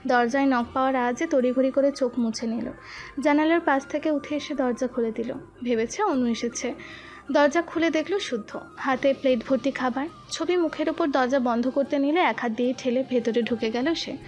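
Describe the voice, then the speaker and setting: A woman narrating a romantic audio story with steady, expressive storytelling. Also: sits high, moderate pace, faint music behind.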